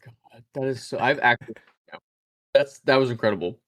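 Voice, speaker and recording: A man's voice: mid-range voice, a little fast, a bit bright. A man co-hosting a casual podcast, giving wry, teasing reactions. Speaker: podcast co-host.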